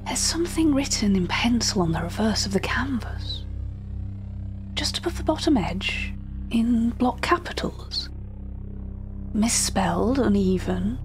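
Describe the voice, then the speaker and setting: A woman's voice: mid-range voice, lively intonation, close to an everyday voice. Woman playing a meticulous, eerie curator, music behind. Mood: entranced, hushed. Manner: formal, measured, hushed at times. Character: meticulous, eerie auction-house curator describing strange artworks. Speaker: voice actor in a fiction podcast. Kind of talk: scripted dramatic narration, dictated catalogue entries.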